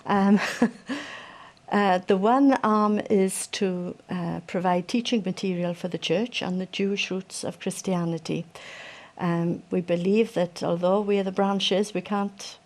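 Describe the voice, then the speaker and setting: A middle-aged Welsh woman, a charity director, giving a gentle, unhurried personal testimony in an interview. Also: mid-range voice, fairly even intonation. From Wales. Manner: gentle, unhurried storytelling with soft fillers.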